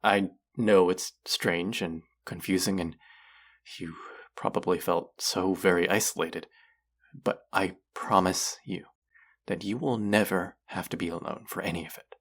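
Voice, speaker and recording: A man acting an earnest, gently wry thousand-year-old immortal in an intimate audio roleplay, speaking in a hesitant, confiding way. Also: sits low, steady tone, unhurried, full character voice. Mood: reassuring, wry. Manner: hesitant, confessional, softly reassuring.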